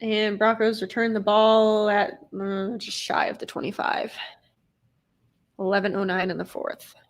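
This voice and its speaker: Her voice is mid-range, level in tone and a little slow as this stuffy-nosed woman, sick with a cold, streams a football game with casual live commentary. Chatty and casually profane, she reads and replies to chat through a desk streaming mic.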